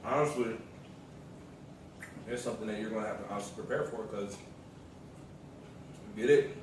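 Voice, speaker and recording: A man's voice: on the low side, normal speed. American man, echoey and distant. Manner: slangy, repetitive, storytelling. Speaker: vlog co-host, the vlogger's partner. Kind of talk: casual vlog chat. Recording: roomy echo, distant mic, noisy background.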